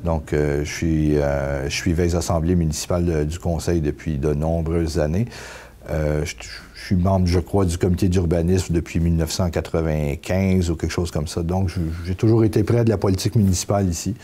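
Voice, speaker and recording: A middle-aged man with a Quebec French accent, answering interview questions conversationally and haltingly, repeating words as he explains. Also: low voice, steady tone, mellow. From Canada (Quebec), Belgian-born. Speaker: town mayor being interviewed. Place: council room.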